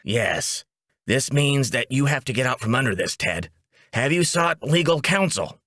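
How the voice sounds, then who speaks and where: Man voicing a brisk, animated wisecracking woman boss. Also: mid-range voice, dry recording, clean studio sound, pitched above the performer's own voice. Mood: matter-of-fact. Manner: breezy, emphatic, joking. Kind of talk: comic audiobook dialogue.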